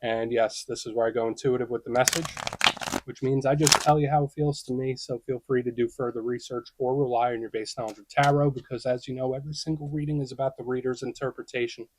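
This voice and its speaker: A man's voice: mid-range voice, fairly even intonation, fast, darkish tone, a little hiss or hum. A young man giving a casual tarot reading to camera, chatty and reassuring, thinking aloud and acting out inner questions. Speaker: tarot reader.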